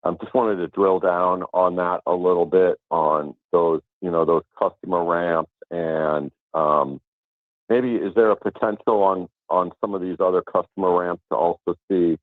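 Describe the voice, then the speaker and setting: A man asking questions as a financial analyst on an earnings call, speaking informally and haltingly over a phone line. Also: deep voice, dry recording. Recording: tinny, narrow phone line.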